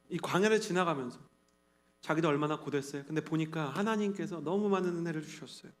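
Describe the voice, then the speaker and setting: A man in his thirties preaching a sermon to a young adult congregation, earnest and animated, acting out quotes as he tells stories. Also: high voice. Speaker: pastor. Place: church sanctuary.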